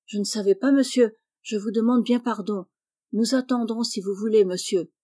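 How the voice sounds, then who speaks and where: A woman's voice: medium pitch, fairly even intonation, normal speed, mellow, no echo, lightly acted. A woman reading as a polite, reassuring boy. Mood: earnest. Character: polite, brave young peasant boy.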